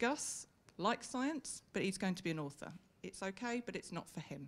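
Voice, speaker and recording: A woman speaks with a British accent and very wide pitch swings. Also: medium pitch for a woman. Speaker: professor. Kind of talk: conference talk. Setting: stage with audience. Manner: fast.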